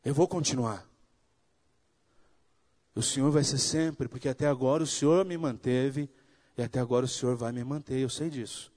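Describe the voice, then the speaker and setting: A man's voice: mid-range voice, normal speed, pauses often. A man from Brazil giving a sermon testimony, acting out the dialogue in his story and building to fervent preaching. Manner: animated storytelling, acts out dialogue.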